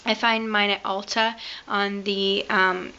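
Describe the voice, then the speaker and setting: A woman beauty vlogger, a little raspy from being sick, chatting casually through a product review with lots of "um" and "like". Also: medium pitch, flat delivery, takes it slowly, pushed and bright, highs cut off, slight background noise.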